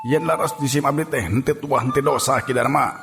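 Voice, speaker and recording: A man's voice: mid-range voice, brisk, creaky, pitched above the performer's own voice, lightly acted. A man voicing a humble male warrior leader who patiently pleads his innocence, recorded with long reverb and background music. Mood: pleading.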